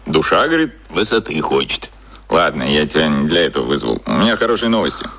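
An actor playing a cynical, cocky boss who explains things in an offhand, colloquial way, as in a radio drama. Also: male voice, very deep voice, very animated, quick pace, a bit bright, heavily acted. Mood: casual, businesslike. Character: cynical, cocky male boss explaining secret media machinery.

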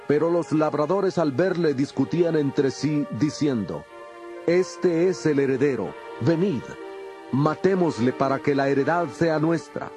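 A solemn, authoritative Jesus over music. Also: male voice, on the high side. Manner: solemn, declamatory. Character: Jesus, a grave, authoritative male teacher telling parables. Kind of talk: dramatized audio Bible acting.

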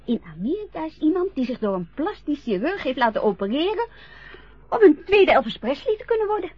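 A high, lively voice of an eager young woman chasing fame, played by a woman in a radio play. She talks in bursts and trails off into fillers. The recording sounds dull and lo-fi. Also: a little fast, no room sound. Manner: lively, hesitant with many fillers. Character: young woman dreaming of stardom, eager, chatty. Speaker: lip-sync performer. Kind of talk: Dutch radio play acting.

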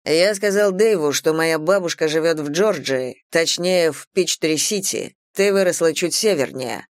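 A man's voice: fairly high pitch, measured pace, no room sound, studio quality. A woman voicing a curt, bossy businessman. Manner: blunt, commanding. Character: curt, demanding young businessman.

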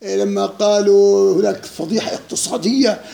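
A man's voice: high voice, steady tone, a little fast, gravelly, warm tone, echoey room. A man giving an informal lecture, mocking and laughing often and quizzing his listeners. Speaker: lecturer leading a book discussion.

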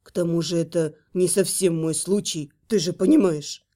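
A woman voicing gloomy, fretful young male dragons in a lowered, brooding voice. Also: steady tone, normal speed, mellow, lightly acted. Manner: low brooding put-on male voice.

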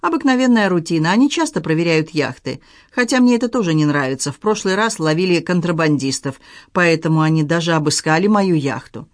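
Reader doing a smooth young guy with a yacht, calm and polite, dry close sound. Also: mid-range voice, a little fast, dry recording, natural voice. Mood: calm, reassuring. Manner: calm, reassuring, politely firm. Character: young charming male yacht owner, calm and smooth-talking. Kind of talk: audiobook dialogue reading.

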